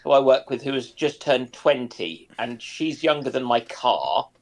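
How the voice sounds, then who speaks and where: A man's voice: medium pitch, animated, a little slow. A man in his forties chatting casually in a group, hesitant, starting and restarting his phrases. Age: 40s. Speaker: geriatrician who trains doctors. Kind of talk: casual group chat on a livestream.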